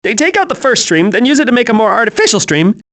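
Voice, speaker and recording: A man voicing an excitable, scatterbrained, cheerful young male squirrel with a childlike, eager delivery in an animated video game. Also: high-pitched, quick pace, heavily acted. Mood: earnest, scatterbrained.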